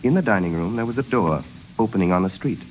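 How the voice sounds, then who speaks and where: A man narrating a radio drama in a measured storytelling way, on a muffled old broadcast. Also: on the low side, expressive, a little hiss or hum. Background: music.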